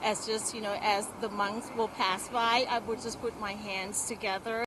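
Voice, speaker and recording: A woman answers questions outdoors in the cold, in a middle-pitched voice. She speaks earnestly and haltingly, pausing often and reaching for words. There is a faint outdoor hiss behind her. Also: little pitch movement. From Thailand. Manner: earnest and halting, with many pauses and fillers. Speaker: interviewee. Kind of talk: street interview.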